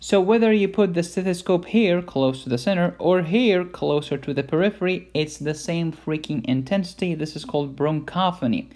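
A man's voice: high-pitched, moderate pace, hardly any pauses, darkish tone. A man giving an informal medical lecture in a playful, blunt and emphatic way. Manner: playful, blunt, emphatic teaching with mild cursing.

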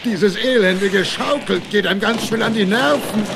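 An actor playing a brash, griping cartoon animal deckhand with exclamatory delivery. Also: male voice, sits high, moderate pace, creaky, noisy background. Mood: irritated. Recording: loud music underneath.

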